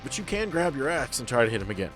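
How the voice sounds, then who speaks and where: A man's voice: medium pitch, big pitch swings, very fast, a bit bright, faint music behind, poor audio. A man acting as game master, narrating a tabletop game in a casual, descriptive, slangy way.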